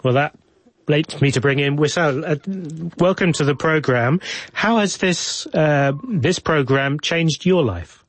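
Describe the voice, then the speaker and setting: Man, radio news presenter, husky, dry studio sound, measured and courteous. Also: on the high side, no echo. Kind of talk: scripted news presenting and interviewing.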